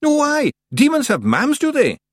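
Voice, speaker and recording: A man voicing a tiny, rowdy blue Scottish warrior with broad excitable dialect, in an audiobook story. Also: extremely high pitch, normal speed, dry recording, clean studio sound, voice pushed up, exaggerated voice. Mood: bickering.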